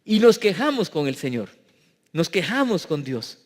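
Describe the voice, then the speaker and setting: A man's voice: a little high, sing-song, measured pace. A man. He keeps a light, humorous tone and often asks the congregation rhetorical questions. His voice echoes with the long reverb of a church hall. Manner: humorous, mimics people in funny voices. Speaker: pastor. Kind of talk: sermon. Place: church sanctuary.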